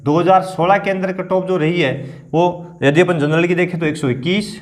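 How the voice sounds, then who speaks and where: A male coaching teacher with a sore throat, clearing his throat as he explains a lesson slowly and repeats the figures. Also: high voice, fairly even intonation. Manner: explains slowly, repeats figures, keeps asking "theek hai na".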